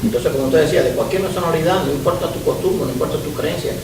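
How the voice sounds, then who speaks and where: A man's voice: on the high side, fast. A man, a church member, giving an earnest comment in a Bible class and asking rhetorical questions. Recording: distant roomy church mic with noise.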